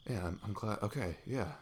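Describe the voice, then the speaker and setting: A man playing a shy, affectionate young best friend in an intimate ASMR roleplay, speaking softly and haltingly with a giggly manner. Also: fairly low pitch, slightly rough. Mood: nervous, relieved. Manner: halting, giggly, soft-spoken. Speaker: audio roleplay performer. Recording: faint noise, night crickets behind. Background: crickets and night insect ambience.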